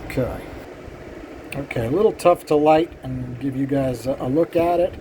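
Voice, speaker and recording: Here an older cylinder head porter addresses his viewers in casual, rambling shop talk, self-deprecating and laden with fillers. His medium-pitched voice is warm and moderately paced, on a rough recording with a little hiss or hum.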